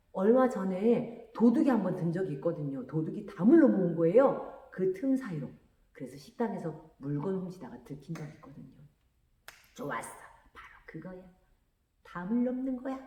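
Woman children's preacher, expressive storyteller, lively pitch, echoey hall sound. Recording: echoey room with long reverb.

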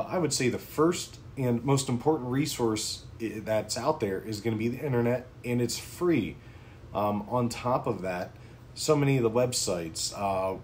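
A man in his thirties talks straight to camera about his interest in casual vlog style, his voice sitting on the lower side. He drifts through fillers and restarts in an easygoing, unscripted way. The recording is from a small home office with a faint hiss of room noise behind him. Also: darkish tone. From Pennsylvania, United States. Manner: informal, conversational, frequent ums and uhs. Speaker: prepping channel host. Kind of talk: casual talking-head vlog.

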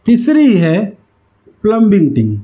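This man's high voice swoops wildly in pitch, dark in tone and a little slow. Like an instructor, he explains step by step and repeatedly checks that it's understood, in a didactic whiteboard tutorial. He's in a small indoor room with a whiteboard, recorded on a lapel mic.

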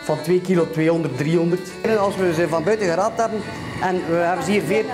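Music plays behind a middle-aged ostrich farmer with a Flemish accent whose high voice stays fairly even in intonation as he talks fast. Leading a tour through sheds and outdoor pens, he explains things chattily with plenty of "hè" and "voilà."

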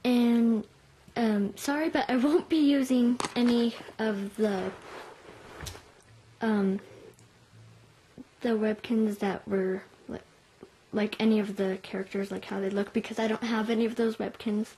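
A woman's voice: on the high side, fairly even intonation, unhurried, pauses often, mellow, slight background noise, low-quality recording. A young girl giving a casual, apologetic intro to her voice audition, hesitating with lots of fillers, recorded on a computer sound recorder. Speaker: voice-over auditioner.

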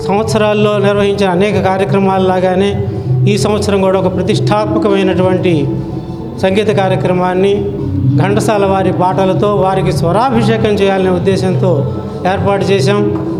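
A man speaks in a formal, measured way as an event organizer, his voice pitched high. The sound rings with a long hall reverb, and music plays clearly behind him. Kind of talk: formal public speech. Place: auditorium.

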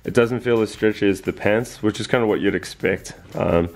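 A relaxed man in his thirties reviews clothes in a chatty, easygoing product review, trailing off into lots of ums and uhs. His voice sits low at a normal speed, echoing around a living room with faint music underneath.

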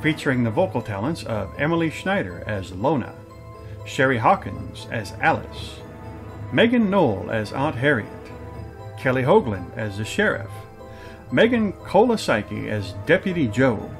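A man's voice: mid-range voice, sing-song, a little slow, soft background music. A man reading scripted credits as the announcer of a radio drama.

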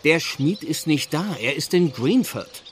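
A man's voice: fairly high pitch, animated, unhurried, slight background noise. An actor playing a pious, reproachful village clergyman and long-suffering brother in a German radio play. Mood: stern warning. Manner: earnest, admonishing.

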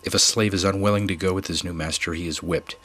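Audiobook reader, man, very low voice with a bright forceful edge, measured narration. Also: steady tone.

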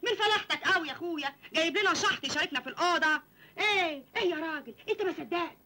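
An actress playing a sharp-tongued, nagging wife scolding her husband and his nephew, with an Egyptian accent. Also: sits high, very animated, racing, breathy edge, no room sound, full character voice. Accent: Egyptian Arabic.

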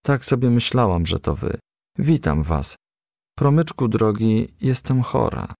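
A man voicing a kindly, ailing, pious female firefly in a children's storybook, gently consoling. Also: lowish voice, big pitch swings, unhurried, vocal fry, no room sound, clean studio sound, exaggerated voice. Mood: weary, gentle. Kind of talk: children's storybook character reading.

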